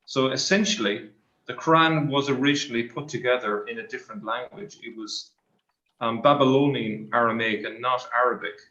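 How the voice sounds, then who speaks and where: A man's voice: medium pitch, moderate pace, bright, forceful tone. A man on a live online discussion panel who reads out viewer comments and answers them tentatively. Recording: slightly dull lo-fi mic.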